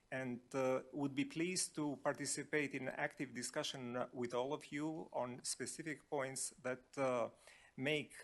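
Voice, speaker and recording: A man from Albania, introducing himself as a panelist in a formal, halting way. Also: mid-range voice. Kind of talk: self-introduction at a panel discussion.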